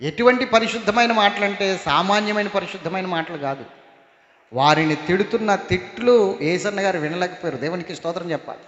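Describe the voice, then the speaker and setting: A man's voice: high-pitched, a little fast, a bit bright, reverberant, in a large hall, highs cut off. A man preaching a sermon as a pastor, emphatic and repetitive, often calling for praise.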